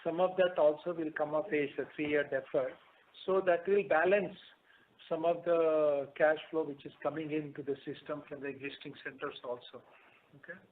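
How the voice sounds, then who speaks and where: An Indian-accented man speaks as a company executive on an investor call. His voice sits fairly high for a man and comes haltingly over a narrow phone line with faint background noise. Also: fairly even intonation. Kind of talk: corporate conference call answers. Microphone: telephone conference line.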